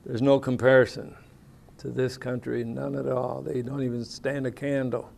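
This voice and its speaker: An older American man tells his service memories in a rambling, homespun way. His voice has a gravelly fry, and he often stops on "uh" between thoughts. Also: mid-range voice, little pitch movement, moderate pace, a little mellow. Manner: rambling, plainspoken with folksy grammar and many fillers. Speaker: veteran interviewee. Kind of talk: oral history interview, casual recollection.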